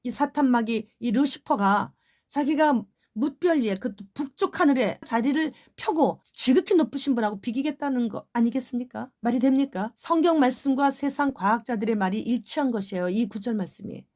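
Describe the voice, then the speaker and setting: A woman's voice: on the high side, normal speed, a little mellow. A middle-aged woman pastor giving a testimonial sermon in a conversational way, with rhetorical questions to the congregation.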